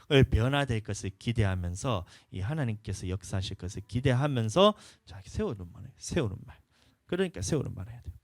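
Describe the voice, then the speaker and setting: Lively pastor man preaching, dry sound. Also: lowish voice, brisk, no echo. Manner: animated, playfully acts out what people say. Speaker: senior pastor. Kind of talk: lively sermon. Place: church sanctuary.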